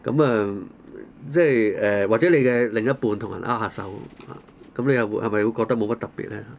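A man's voice: fairly low pitch, a little fast, creaky, slight background noise. A man with a Hong Kong Cantonese accent hosting a casual discussion, talking colloquially through rhetorical questions and everyday examples. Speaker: talk show host.

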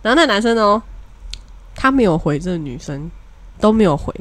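A woman, co-hosting a casual podcast and telling a story with animated energy, acting out what her friends said. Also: mid-range voice, a little fast, dry recording. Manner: animated storyteller who acts out friends' lines. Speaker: podcast co-host.

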